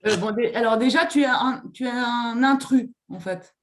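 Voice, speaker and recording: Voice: mid-range voice, moderate pace. Panelist on a video call, lots of ums, echoey room, medium voice. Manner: hesitant, many fillers, lively examples. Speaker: language theatre facilitator. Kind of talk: panel answer.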